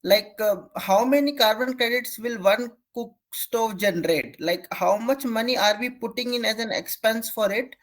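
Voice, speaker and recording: Deferential caller, mid-pitched voice. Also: moderate pace, hardly any pauses. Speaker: investor asking questions. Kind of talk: earnings call question.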